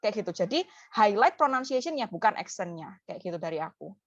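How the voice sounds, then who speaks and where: A woman's voice: medium pitch, very animated, a little fast, no room sound, lo-fi sound. A woman speaking on a webinar, explaining casually and mixing in English phrases. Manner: casual, mixes in English phrases, gives examples.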